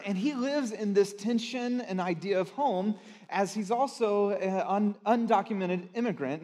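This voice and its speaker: Male pastor, high-pitched, friendly welcome, reverberant church hall. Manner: upbeat and friendly, addressing the congregation. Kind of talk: sermon introduction. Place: church sanctuary.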